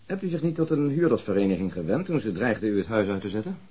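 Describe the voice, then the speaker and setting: Police detective, matter-of-fact, courteous, probing, slightly rough husky voice, naturalistic radio drama. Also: male voice, lowish voice, sing-song, dark tone. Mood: polite, probing. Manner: measured, polite, matter-of-fact.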